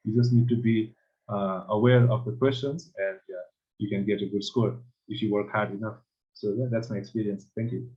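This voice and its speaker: A man's voice: on the low side, fairly even intonation, moderate pace, muffled recording. A man with an Asian accent, a test-prep instructor speaking casually on a webinar panel, full of "you know" fillers.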